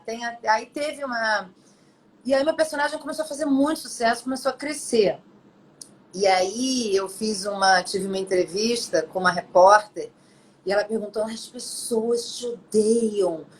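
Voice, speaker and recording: A middle-aged actress chatting as an interview guest, telling her stories in an animated, expressive way. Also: medium pitch, a little hiss or hum, poor audio. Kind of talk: casual storytelling interview.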